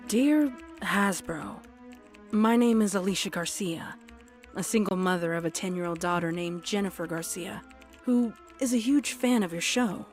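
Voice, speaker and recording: A woman's voice: medium pitch, normal speed, faint music behind. A woman reading an open letter aloud.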